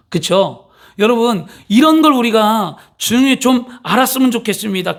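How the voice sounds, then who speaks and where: A man with a high voice preaching a church sermon. He talks in an animated way and keeps putting rhetorical questions to his listeners. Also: gravelly. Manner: animated, acts out quotes, asks rhetorical questions. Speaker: pastor.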